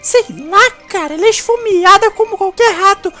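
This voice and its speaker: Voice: very high-pitched, moderate pace, pushed and bright, soft background music. A performer voicing a cheeky, thieving male mouse, whiny and exasperated, in a Minecraft role-play. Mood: indignant.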